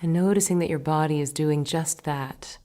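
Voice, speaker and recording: Woman meditation teacher, low-pitched, calm guiding delivery with gentle whispered cues. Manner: slow, soothing, gentle instructions with soft whispered words. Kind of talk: guided meditation.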